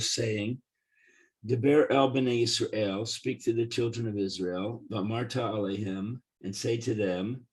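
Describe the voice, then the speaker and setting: Hoarse man slowly reading scripture. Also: medium pitch, darkish tone, rough recording. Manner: halting, repeats words while reaching for a translation. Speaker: study partner. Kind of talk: reading verses aloud and translating. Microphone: video call.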